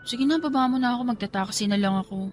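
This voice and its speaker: A woman's voice: fairly high pitch, fast, faint music behind, close to an everyday voice. A woman playing a loyal young niece who pleads earnestly in a radio romance drama. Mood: gently pleading. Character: pleading, loyal young niece defending her heartbroken aunt.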